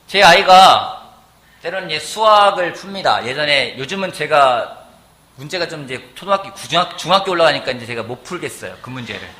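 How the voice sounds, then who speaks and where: A middle-aged man preaching a sermon as pastor in a church, animated and often asking the congregation questions. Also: a little high, fairly quick. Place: church sanctuary.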